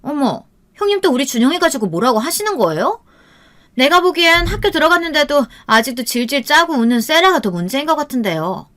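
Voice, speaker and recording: A woman's voice: sits high, moderate pace, hardly any pauses, fairly bright tone, voice pushed up. A woman voicing a haughty, scornful younger sister-in-law who scolds sarcastically in an audio storybook. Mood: brazen complaining.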